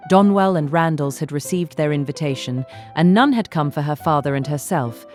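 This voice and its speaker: A woman reading a literary audiobook as narrator, measured and articulate. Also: low voice, expressive, darkish tone, faint music behind.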